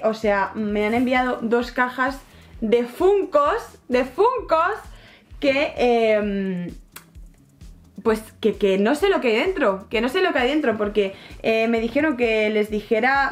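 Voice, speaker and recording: A young woman excitedly chatting through an unboxing, gushing and repeating herself as she squeals with delight. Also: a little high. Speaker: book and collectibles vlogger. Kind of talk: excited casual unboxing chat.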